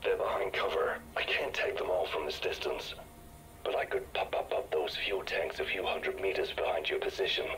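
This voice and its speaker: An actor playing a gruff male sniper ally in a video game, speaking in a low husky whisper. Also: steady tone, normal speed, fairly bright tone, low-quality recording. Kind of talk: game voice acting.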